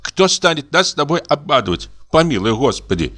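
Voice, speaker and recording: A man's voice: on the high side, big pitch swings, a little fast, a bit bright, voice pushed up. A man reading aloud and voicing an elderly mother who frets, sighs and calls on God. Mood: alarmed. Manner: sighing, fussing, prayerful exclamations. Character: fretful elderly mother, pious and doting.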